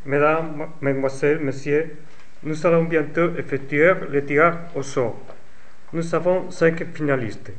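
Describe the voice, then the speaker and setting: A man's voice: fairly high pitch, steady tone, a little slow. A man reading a presenter's script aloud as a student in a language lesson.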